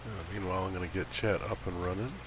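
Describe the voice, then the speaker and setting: Deep-voiced man, stuffed up with a cold. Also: steady tone, quick pace. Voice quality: stuffy nose. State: congested from a cold. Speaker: livestream host. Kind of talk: casual gaming livestream commentary. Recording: clear background noise of falling rain. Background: game rain sound.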